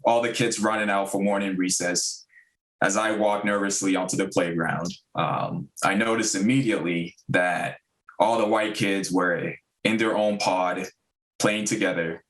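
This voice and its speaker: A man's voice: on the low side, fairly bright tone, poor audio. A man in his thirties from Ghana, giving earnest prepared remarks at a public school meeting with frequent fillers. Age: 30s. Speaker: district diversity director.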